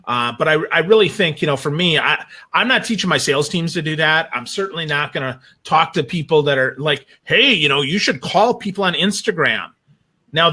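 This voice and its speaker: A man's voice: on the high side, bright, forceful tone, breathy edge. A man giving blunt, emphatic opinions as a guest in a casual panel chat, often checking in with rhetorical questions. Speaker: guest panelist, sales trainer and marketer.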